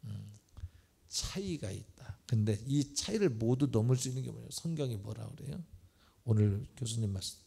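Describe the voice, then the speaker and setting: A middle-aged male pastor preaching in church, firing rhetorical questions and swinging between loud emphasis and hushed asides. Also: medium pitch, expressive, moderate pace, creaky, husky. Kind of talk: sermon. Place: church sanctuary.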